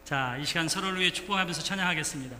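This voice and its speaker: A man's voice: a little high, very fast. A man leading a playful children's sermon as pastor, coaxing the kids and calling them by name. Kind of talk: children's sermon with a live demonstration. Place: church sanctuary. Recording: reverberant hall, faint room noise.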